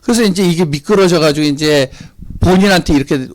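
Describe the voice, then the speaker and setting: A man's voice: fairly high pitch, brisk, no echo. A male pastor preaching a sermon in a church, telling personal stories and asking the congregation rhetorical questions. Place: church sanctuary.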